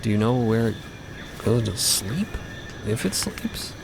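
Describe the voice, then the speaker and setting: A man's voice: on the low side, big pitch swings, measured pace, vocal fry, noisy background, exaggerated voice. A man acting in an audio drama with an earnest, thoughtful delivery.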